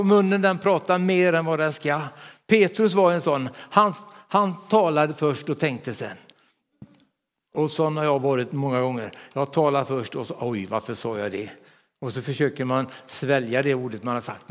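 A man preaching a sermon with fervor, often breaking into hallelujahs. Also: on the high side. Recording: long hall reverb.

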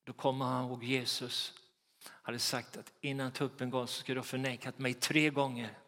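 A man preaching a sermon in a fervent manner, rising to loud exclamations. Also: medium pitch, level tone. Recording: reverberant hall.

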